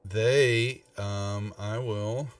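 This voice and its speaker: A man narrating a casual tabletop game as game master, halting and often restarting his phrases. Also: lowish voice, fairly even intonation. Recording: distant mic with music behind. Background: background music.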